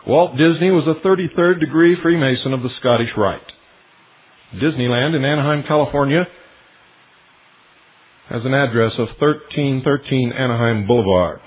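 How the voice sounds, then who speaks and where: A male radio host delivering a solemn, deliberate monologue, speaking straight to his listeners as ladies and gentlemen. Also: medium pitch. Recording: tinny shortwave radio broadcast.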